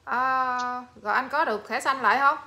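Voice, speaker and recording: A woman asks short, casual questions and reacts in brief bursts. Her voice is bright and clear. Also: sits high, fairly quick. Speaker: interviewer. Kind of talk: casual interview.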